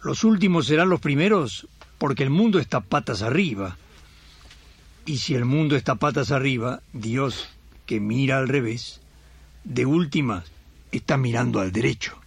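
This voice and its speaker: A man's voice: medium pitch, lively intonation, normal speed, vocal fry, breathy edge, no room sound. An Argentine-accented man hosting a religious radio programme in scripted, folksy, rhythmic talk. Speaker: radio host.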